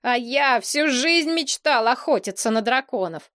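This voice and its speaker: A woman's voice: high-pitched, animated, unhurried, fairly bright tone, dry recording, studio quality, pitched above the performer's own voice. A woman reading an audiobook, voicing a hot-headed boy prince who grumbles and defends himself. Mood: defensive. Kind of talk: audiobook character voice.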